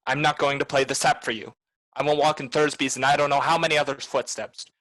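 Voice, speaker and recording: A man's voice: medium pitch, flat delivery, fast, a bit bright, lightly acted. A man playing a cynical, blunt private detective in the manner of 1940s noir radio drama. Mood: bitter, resolute. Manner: blunt, accusing, tough. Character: hard-boiled, cynical male private detective.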